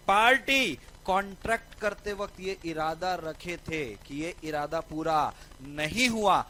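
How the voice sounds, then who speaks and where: A young male tutor with a high, bright voice that rises and falls as he explains a point of law through a story. He talks in a lively way, tossing rhetorical checks at his students, and faint ambient noise sits under the voice. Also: rough recording. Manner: lively, keeps asking "right or not?". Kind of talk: lecture with a personal story.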